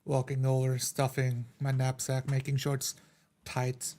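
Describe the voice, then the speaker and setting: A man's voice: medium pitch, completely flat delivery, unhurried, dark tone. A man playing a tabletop roleplaying game, describing what his character does.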